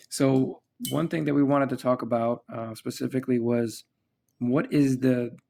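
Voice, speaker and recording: A man's voice: mid-range voice, steady tone, unhurried, gravelly, warm tone. A man from the United States hosting a podcast, chatting casually and rambling with many fillers and restarts. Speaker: podcast host. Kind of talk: casual chat.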